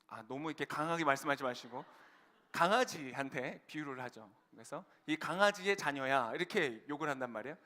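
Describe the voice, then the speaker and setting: A man's voice: mid-range voice, quick pace, pushed and bright. A young man preaching a sermon, addressing the congregation with rhetorical questions and building to fervent, emphatic declarations. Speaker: pastor.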